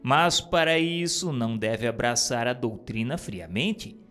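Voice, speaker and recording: A man giving a solemn, earnest reading of a religious text, measured and exhorting. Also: mid-range voice, expressive, fairly bright tone. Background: faint music.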